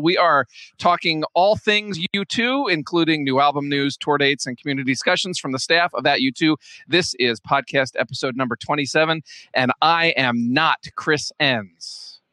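A man's voice: fairly high pitch, pushed and bright, dry recording. A man hosting a live-streamed fan podcast, chatty and joking, often restarting his sentences. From United States. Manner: chatty, joking, self-correcting. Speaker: podcast host. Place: home, video chat. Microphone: video call.

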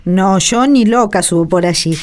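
A woman's voice: mid-range voice, moderate pace, a little mellow, lightly acted. A woman with an Argentine accent playing a devout, affectionate young pregnant wife in a radio drama.

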